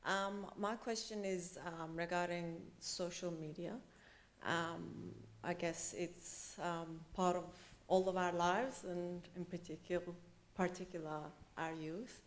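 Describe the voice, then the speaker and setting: Slow, hesitant woman asking a question. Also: lowish voice, steady tone. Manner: hesitant, polite, many fillers. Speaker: audience member asking a question.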